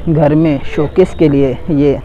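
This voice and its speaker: A man's voice: a little high, steady tone, slow, dull audio, soft background music. A man vlogging as he walks through an expo hall, telling viewers "guys" what they can see. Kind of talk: walk-through vlog narration. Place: indoor expo hall, tents.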